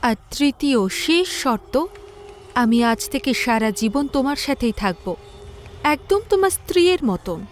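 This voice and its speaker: High-voiced, commanding female spirit played by an actress. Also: lively intonation, soft background music. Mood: commanding, possessive. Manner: soft-voiced, deliberate, commanding. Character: beautiful female spirit laying down binding conditions. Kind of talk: dramatized horror audio story.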